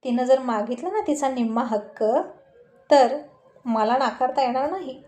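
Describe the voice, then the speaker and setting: A teasing, stern old grandfather from a spoken story, as a woman narrator puts him on, fond of ribbing his grandson and laying down the law. The voice is mellow and fairly high, recorded in an echoey room. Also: moderate pace, lightly acted. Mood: scolding. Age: older. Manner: teasing, scolding.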